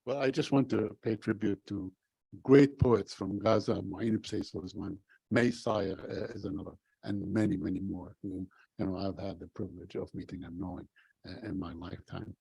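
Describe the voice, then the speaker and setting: An older man moderating a public conversation, asking questions in a measured, reflective way with frequent fillers. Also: low voice, fairly even intonation, gravelly, mellow, husky, dry recording, poor audio. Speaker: host, interviewer.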